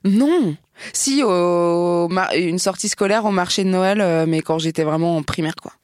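Playful young Frenchwoman, quick to laugh. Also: lowish voice, darkish tone, smooth, dry recording, clean studio sound. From Troyes, France. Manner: playful, laughs easily, jokey asides. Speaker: podcast co-host. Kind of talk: casual chat.

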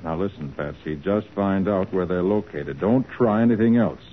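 A man playing a confident, authoritative private detective with an American accent in a brisk 1940s radio crime drama style. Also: low-pitched, close to an everyday voice. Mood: brisk, purposeful. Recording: scratchy, narrow-band 1940s radio recording.

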